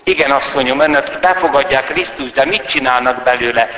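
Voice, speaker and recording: A calm, earnest village priest who admonishes gently and gravely. A man voices him close to his own speaking voice. The room is large and reverberant, with a long decay. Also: mid-range voice, natural voice. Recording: roomy hall with long reverb.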